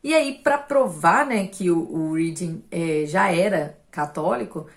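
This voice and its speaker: A woman's voice: fairly low pitch, animated, a little slow. A woman giving a casual spoken book review as a channel host, talking conversationally with frequent tag questions and fillers.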